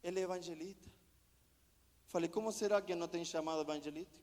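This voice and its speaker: A man's voice: a little high, fairly even intonation, fast talker, darkish tone. A man, a missionary preacher, delivering an impassioned sermon full of repeated rhetorical questions. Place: church sanctuary. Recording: long church hall reverb.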